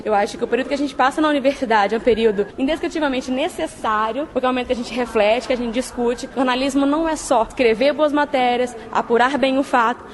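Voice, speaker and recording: Young woman, Brazilian accent, high pitch, rapid pace, earnest explanatory interview speech. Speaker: student researcher being interviewed. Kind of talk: spontaneous interview answer.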